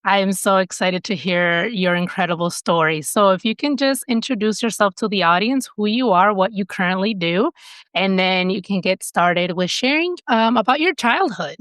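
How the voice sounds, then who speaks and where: A woman's voice: medium pitch, animated, normal speed, a bit bright, clean tone, dry recording. Upbeat woman hosting a podcast. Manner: upbeat and enthusiastic. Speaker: podcast host.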